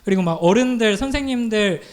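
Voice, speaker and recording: A man preaching to a youth group, telling a personal story in a lively way and acting out the voices of people in it. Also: high-pitched, brisk. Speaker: pastor.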